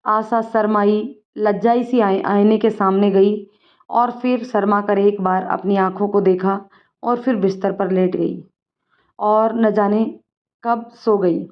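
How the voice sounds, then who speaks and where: Woman narrating a story calmly. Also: medium pitch, slow pace. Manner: calm, steady storytelling. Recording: dull lo-fi recording.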